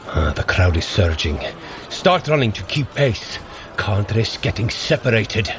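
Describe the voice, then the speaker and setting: A hearty, good-natured god stuck as a dog in an audio drama. The voice is low and unhurried, yet swings hugely in pitch, playful and given to woofing. Faint noise sits behind him. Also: male voice, sing-song. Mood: wary, urgent. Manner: hearty, playful, woofs and barks between words.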